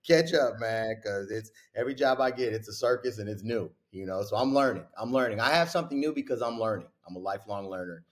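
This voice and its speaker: Low-voiced middle-aged man, slangy bro talk. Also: quick pace, few pauses. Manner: laid-back slangy bro talk, with "dude", "bruh", "man"; animated, repeats phrases for emphasis. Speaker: college basketball coach. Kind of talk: casual podcast interview chat.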